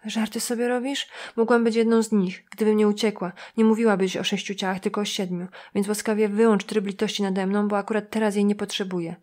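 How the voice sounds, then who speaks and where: Brash young woman, defiant and snappy, put on by a female audiobook reader, a notch higher and louder. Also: flat delivery, fairly quick, few pauses, natural voice. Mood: bitter. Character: defiant volatile young woman, sharp-tongued.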